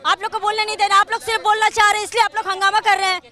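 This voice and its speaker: A woman news anchor moderating a live outdoor debate, firmly and repeatedly asking people to stay calm and wait their turn. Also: very high voice, very fast, some chatter behind. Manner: firm, repeatedly calling for calm over interruptions.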